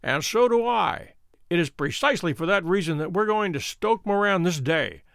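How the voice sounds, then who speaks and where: A man voicing a calm, imperturbable detective who speaks with dry wit. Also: sits high, normal speed, gravelly, no room sound, exaggerated voice. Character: cool, witty adult male detective, calm and bland.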